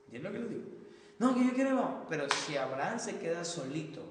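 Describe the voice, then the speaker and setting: A man's voice: on the high side, very animated, a little fast. A man, a pastor, teaching church teachers in an earnest, conversational way, often calling his listeners brother. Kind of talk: informal church teaching talk. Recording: echoey hall, distant mic, faint noise.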